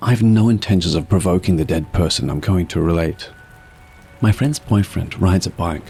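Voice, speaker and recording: Music plays in the background as a man speaks at a moderate pace. His pitch is fairly low, with ordinary variation. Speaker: storyteller narrator. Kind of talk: ghost story narration.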